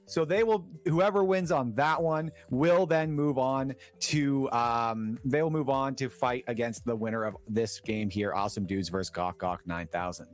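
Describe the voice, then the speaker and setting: A man casting an esports tournament in a relaxed, chatty way, full of fillers. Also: medium pitch, moderate pace, hardly any pauses, faint music behind. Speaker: esports caster.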